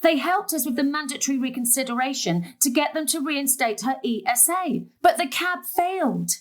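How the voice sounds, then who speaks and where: A harried middle-aged woman caring for her family in a stage drama. Her voice is high and swings widely in pitch. She is snappy, emphatic and exasperated. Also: animated, normal speed. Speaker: stage actor. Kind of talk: dramatic dialogue in a play.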